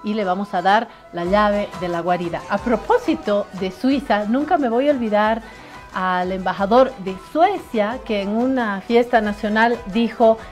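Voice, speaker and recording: A woman's voice: mid-range voice, normal speed, soft background music. Chatty woman hosting a talk show. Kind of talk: studio interview.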